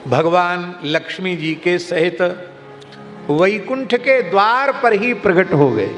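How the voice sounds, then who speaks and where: A man's voice: high-pitched, takes it slowly, faint music behind. A man delivering a religious discourse, telling stories and anecdotes to his listeners. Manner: storytelling, lively anecdotes. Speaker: katha preacher. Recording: reverberant hall, faint noise.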